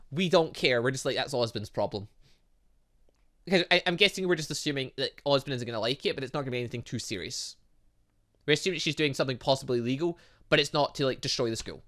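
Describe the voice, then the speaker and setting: Male let's-player: bright, punchy, very lively intonation, exclaims at the game as he plays. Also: on the high side. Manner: exclamatory, talks to the game's characters. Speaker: gaming video host. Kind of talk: lively let's-play commentary, reading game dialogue aloud.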